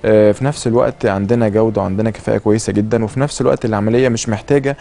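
A man's voice: fairly low pitch, fairly even intonation, very fast, vocal fry, dark tone. A man in his thirties with an Egyptian Arabic accent, explaining as an expert guest and dropping in English terms. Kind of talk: explanatory interview talk. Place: TV studio, seated. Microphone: lapel mic.

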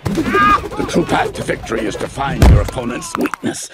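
Cartoon kung fu master, elderly red panda, clipped and menacing, dramatic pitch swings over prominent soundtrack music. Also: male voice, huge pitch swings, normal speed. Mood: fierce, instructive. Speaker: martial arts master. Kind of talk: animated film acting.

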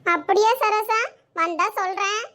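A woman's voice: extremely high pitch, steady tone, a little slow, sharp tone, heavily acted. A woman playing a middle-aged mother chatting with her neighbor. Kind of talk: amateur family drama acting.

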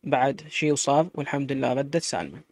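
A man's voice: mid-range voice, lively intonation, fast, a little mellow, no room sound. A man with an Iraqi accent voicing a young tribal sheikh and father who talks bluntly and teases.

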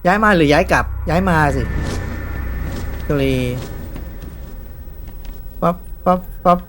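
A man's voice: high voice, fairly even intonation, takes it slowly, over music. A man giving casual horror game commentary in a chatty way, nervously talking himself through the scary parts. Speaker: gaming YouTuber.

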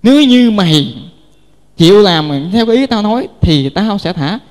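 A man's voice: high voice, big pitch swings, moderate pace, a little mellow. A man with a Southern Vietnamese accent voicing a stern, threatening male police officer in a sermon story, in a reverberant hall. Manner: barking orders, rough and contemptuous.

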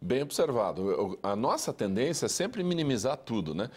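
Measured man explaining steps. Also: medium pitch, sing-song, husky. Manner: measured, lecturing, lists steps. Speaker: educator interviewed on TV. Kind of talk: explanatory interview answers.

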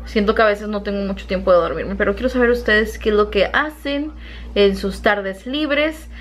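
A young woman with a medium-pitched voice talks at normal speed to a handheld camera at home. She's a beauty vlogger, sleepy and rambling as she chats casually, moving between indoors and the yard.

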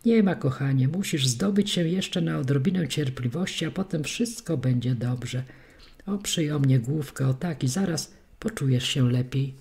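A woman reading an audiobook, voicing a worn-out man who speaks gently to a child. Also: extremely low pitch, moderate pace, vocal fry, husky, exaggerated voice. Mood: soothing. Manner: gentle, soothing. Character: exhausted man, tender with a child.

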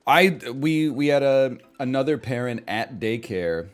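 A man in his thirties chatting while he plays, at a middling pitch. He riffs in an animated way, jumping between loud bursts and muttered asides, heard close on a headset mic in a small home room. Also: measured pace. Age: 30s. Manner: animated riffing, swings loud and quiet for bits. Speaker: streamer. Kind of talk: casual gaming stream chat.

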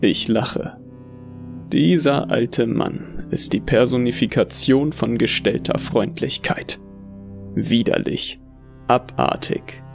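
Man as creaky, bitter horror narrator. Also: mid-range voice, slow pace. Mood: bitter, contemptuous. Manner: brooding, contemptuous. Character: bitter, delusional Santa narrating his hatred. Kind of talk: dramatic first-person horror narration. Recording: music behind the voice.

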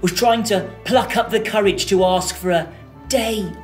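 A woman telling a story to children in a theatrical way, with dramatic, deliberate phrasing. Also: mid-range voice, darkish tone, faint music behind.

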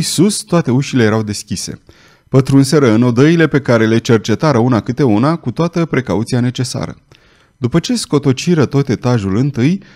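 A man narrating an audiobook with a dramatic, expressive reading. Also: mid-range voice.

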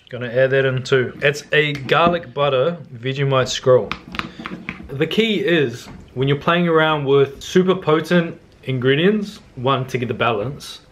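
Higher-voiced young New man, laid-back. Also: fairly bright tone. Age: young adult. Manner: laid-back, slangy instruction. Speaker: cooking vlogger. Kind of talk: casual cooking demonstration. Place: home kitchen, indoors.

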